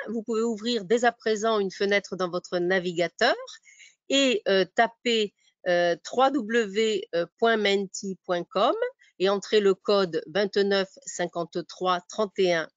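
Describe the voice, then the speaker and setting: A woman moderates an online webinar and walks the audience through instructions. She halts often and fills the pauses. The audio is dry and dull, with no room sound, as from a computer microphone. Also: medium pitch, no room sound. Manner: halting, many fillers. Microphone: computer mic on a video call.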